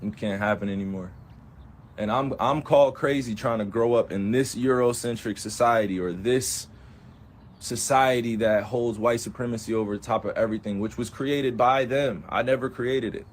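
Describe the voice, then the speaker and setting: A man's voice: mid-range voice, normal speed, a little hiss or hum. A young man speaking with passion on a livestream, emphatic and full of repeated rhetorical questions. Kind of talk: impassioned livestream talk.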